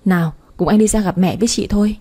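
A woman voicing a gentle young man who softly reassures his girlfriend in a storybook reading. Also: mid-range voice, fast, breathy edge, natural voice.

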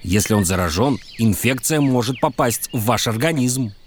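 A man playing a doctor out mushroom picking, who explains safety rules calmly and patiently. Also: medium pitch, normal speed, a little hiss or hum, natural voice. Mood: instructive. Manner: calm, instructive, explains patiently.

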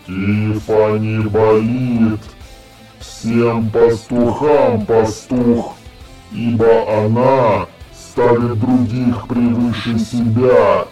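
A distant, echoing dream voice. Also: male voice, flat delivery. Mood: solemn. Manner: slow, deep, solemn intoning. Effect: echoing, faraway dream voice effect. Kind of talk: audiobook reading. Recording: heavy echo, distant, soft guitar behind.

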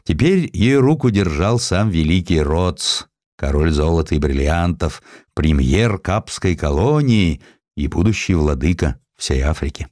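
A man reading a historical story as an audiobook narrator, in a measured, expressive storytelling manner. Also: low voice, no echo, studio quality. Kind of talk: scripted dramatic narration of historical fiction.

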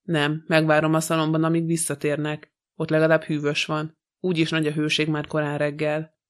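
A shrewd, unhurried detective, read out by a man with a somewhat high voice held very flat. His dry, composed remarks come in the same even tone as the narration of this storybook. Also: clean tone, close to an everyday voice. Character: calm, shrewd middle-aged male detective.

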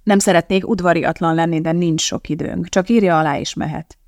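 A narrator voicing a brisk, authoritative foundation head who speaks firmly and in a businesslike way. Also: medium pitch, steady tone, no room sound, clean studio sound, lightly acted.

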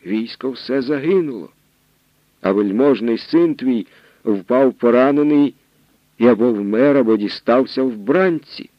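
A man's voice: mid-range voice, a little slow, dry recording, highs cut off, lightly acted. A man voicing a frightened young male soldier who pleads and stammers out bad news, in an audiobook reading. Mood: pleading.

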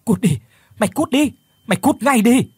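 A man's voice: very high-pitched, lively intonation, normal speed, husky, no echo, pitched above the performer's own voice, exaggerated voice. A man voicing a frightened, desperate young office worker who screams in panic. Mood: panicked screaming. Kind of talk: audiobook character voice.

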